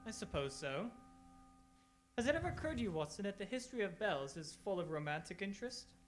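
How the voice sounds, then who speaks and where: A woman playing a composed, learned male detective in a radio play, speaking in a measured, formal, lecturing way. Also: medium pitch, sing-song, faint music behind, lightly acted. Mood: composed, musing. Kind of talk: radio theatre acting.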